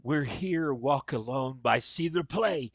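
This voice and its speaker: A man narrates stage directions in a gravelly, dry-sounding voice. His pitch moves around a lot while he takes his time with each line. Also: animated, takes it slowly, dry recording. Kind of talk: scripted narration in a staged reading.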